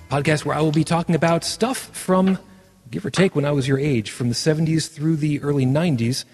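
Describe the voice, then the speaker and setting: A man's voice: a little high, darkish tone, breathy edge. A man hosting a podcast in a casual chat, rambling with many restarts. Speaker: podcast host. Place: virtual world broadcast. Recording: echoey, washed-out room sound.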